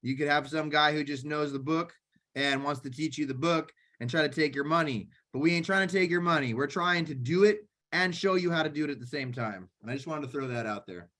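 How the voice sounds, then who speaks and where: A man's voice: fairly high pitch, pushed and bright. A man co-hosting a live video call, speaking earnestly and directly, with a few restarts. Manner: earnest, direct, a little halting. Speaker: co-host.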